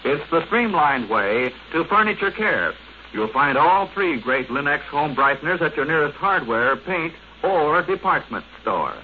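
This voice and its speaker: A man's voice: a little high, big pitch swings, a little slow. A man announcing in a polished, formal 1940s radio style, promoting products and programs. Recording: muffled, noisy 1940s radio recording.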